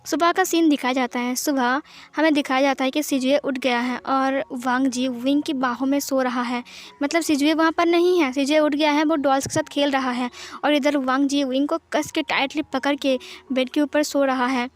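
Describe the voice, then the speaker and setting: A woman's voice: high voice, fairly even intonation, moderate pace. A woman retelling a fan fiction story in a chatty way, often repeating her phrases.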